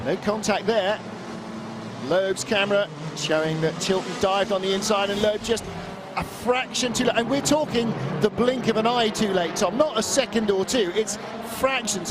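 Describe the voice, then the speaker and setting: A man's voice: sits high, normal speed. A man giving live motorsport commentary as a race commentator, describing the action emphatically with repeated phrases. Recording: loud car and engine noise behind.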